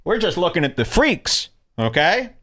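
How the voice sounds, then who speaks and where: A man's voice: high-pitched, sing-song, moderate pace, a bit bright. A man hosting a radio show, heckling and mocking clips with crude sarcasm. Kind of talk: mocking commentary over clips.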